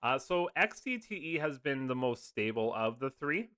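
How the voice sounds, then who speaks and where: A man's voice: mid-range voice, big pitch swings, normal speed, sharp tone, clear, resonant tone, dry recording, studio quality. A man, just over a cold, casually explaining funds in a loose, chatty video talk full of fillers. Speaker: finance video host. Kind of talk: casual screen-share explainer.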